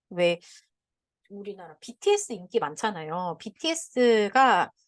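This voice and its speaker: A woman has a plain, everyday voice with lively intonation, speaking at a fairly slow pace. The sound is dry and close with no echo, over a quiet background. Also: medium pitch for a woman. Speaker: online selling instructor. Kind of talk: webinar lecture.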